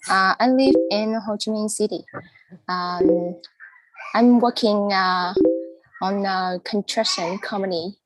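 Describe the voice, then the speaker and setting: A woman's voice: mid-range voice, steady tone, takes it slowly, slight background noise, rough recording. A woman in her twenties with a Vietnamese accent, introducing herself hesitantly to an English class, with many fillers. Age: 20s. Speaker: student. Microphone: video call.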